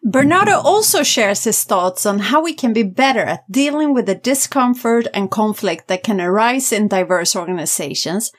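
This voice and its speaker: A woman's voice: medium pitch, animated, normal speed, few pauses. A woman hosting a podcast, reading introductions and welcoming guests for interviews. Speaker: podcast co-host.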